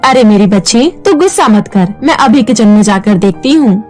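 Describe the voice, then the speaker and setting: A woman's voice: animated, moderate pace, darkish tone, faint music behind, close to an everyday voice. A woman voicing a harsh, bossy stepmother in a cartoon story, scolding sharply. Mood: doting. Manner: shrill, bossy, cruel scolding.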